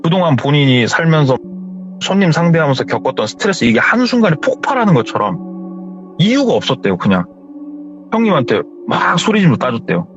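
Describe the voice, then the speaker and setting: A man's voice: a little high, sing-song, a little fast. Man animatedly retelling a horror story. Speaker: horror story radio host. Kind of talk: told horror story, casual spoken. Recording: slightly dull recording with faint music.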